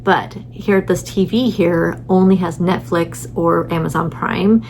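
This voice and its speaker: A woman's voice: fairly low pitch, steady tone, unhurried, darkish tone, slight background noise. A middle-aged woman chatting casually in a vlog from a hotel room, rambling with many fillers, tired and a little stuffy. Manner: rambling, lots of fillers and restarts. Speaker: vlogger.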